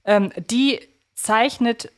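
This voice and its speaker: A woman's voice: a little high, drawn-out words. A woman co-hosting a podcast, talking casually and analytically in an articulate, reflective way, thinking aloud as she goes. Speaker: podcast co-host.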